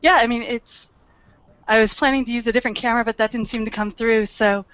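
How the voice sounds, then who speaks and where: Give me a hesitant, fairly high-voiced woman explaining a project over a dull, dry video call. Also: fairly even intonation, quick pace, a bit bright, smooth, no echo. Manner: hesitant, with frequent "um"s. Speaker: guest showing a project. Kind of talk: casual explanation.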